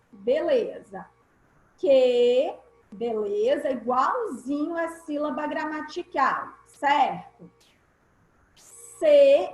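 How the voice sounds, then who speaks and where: Slow, high-voiced woman teacher. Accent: Brazilian Portuguese. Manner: patient, explanatory, repeats key points. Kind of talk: online class lesson. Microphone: video call. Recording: echoey room.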